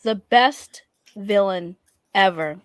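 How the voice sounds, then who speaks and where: A woman's voice: medium pitch, slow, a crowd in the background. A woman joking around in a casual panel chat with a playful, teasing manner.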